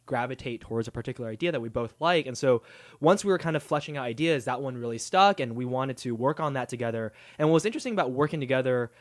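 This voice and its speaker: A man in his late twenties joins a podcast as a guest writer and talks about his work. He sounds easygoing and hedges often, leaning on lots of fillers. His pitch sits in the ordinary middle range. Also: animated, fast talker. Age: 20s. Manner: easygoing, filler-heavy, hedging. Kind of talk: casual interview chat.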